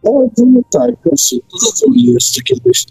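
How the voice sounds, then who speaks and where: A man's voice: very high-pitched, lively intonation, measured pace, gravelly, mellow, breathy edge, dry recording, soft background music, poor audio. A man, a listener calling in to a radio show and debating casually.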